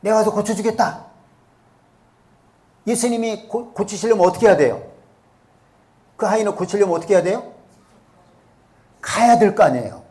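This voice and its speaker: A man's voice: high-pitched, expressive, brisk, pauses often, a little mellow. A male pastor preaching a sermon in a church, often asking the congregation questions. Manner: asks the congregation rhetorical questions. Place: church sanctuary.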